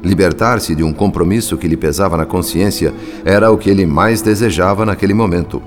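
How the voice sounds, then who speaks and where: Um ator brasileiro interpretando um espírito narrador de radionovela, observador, solene e literário. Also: male voice, sits low, music in the background, close to an everyday voice. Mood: grave, observant. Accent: Brazilian. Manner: measured, literary, solemn. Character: grave, thoughtful male spirit narrator observing human families. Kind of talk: scripted radio drama narration.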